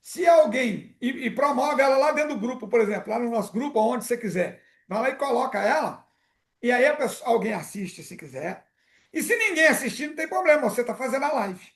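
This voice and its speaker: A man's voice: extremely high pitch, lively intonation, brisk. A man with a Brazilian Portuguese accent coaching a student in a live session, explaining with lots of repetition and frequent laughs. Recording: roomy echo.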